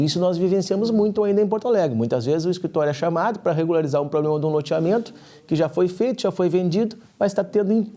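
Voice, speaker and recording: A man, a lawyer guest, explaining property registration in a measured way on a studio talk show. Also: sits high, dark tone. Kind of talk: explanatory interview answer.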